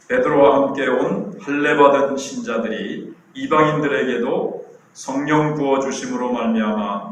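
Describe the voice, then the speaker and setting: A man's voice: mid-range voice, a bit bright, slight background noise. A man in his sixties, a pastor delivering a sermon in a conversational, storytelling way with rhetorical questions. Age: 60s. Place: church sanctuary. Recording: very echoey church hall.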